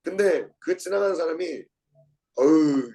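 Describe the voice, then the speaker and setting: A male lecturer teaches from a book, his fairly high voice gravelly and husky. He reads lines aloud, echoes key words back, and puts questions to his listeners. His tone stays mellow, and it jumps louder whenever he acts out a quote. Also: animated, moderate pace. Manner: dramatizes quotes with sudden shifts in pitch and loudness; repeats key words from the passage, asks the audience questions. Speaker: Bible study lecturer.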